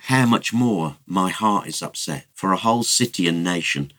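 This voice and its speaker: A man voicing a patient divine figure who questions gently and calmly. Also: deep voice, normal speed. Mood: gentle.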